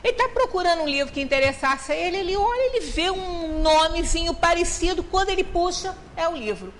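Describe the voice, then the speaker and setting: A woman's voice: extremely high pitch, lively intonation, a little fast, fairly bright tone. A woman with a Brazilian Portuguese accent gives a storytelling lecture at a spiritist center. She retells events conversationally, acting out the quoted dialogue and often adding tag questions. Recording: reverberant hall with faint noise.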